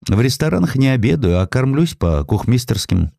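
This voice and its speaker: A man's voice: medium pitch, very animated, brisk, vocal fry, dark tone, no room sound, clean studio sound, pitched above the performer's own voice. A man voicing a meek, shy and modest petty clerk in an audiobook, speaking in a mild, deferential manner. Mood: modest earnestness.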